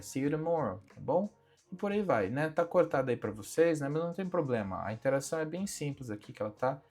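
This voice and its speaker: A man's voice: medium pitch, darkish tone, husky. Chatty Brazilian man teaching English. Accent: Brazilian Portuguese. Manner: chatty, repeats English phrases slowly for students to copy. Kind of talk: casual spoken language lesson. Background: faint background music.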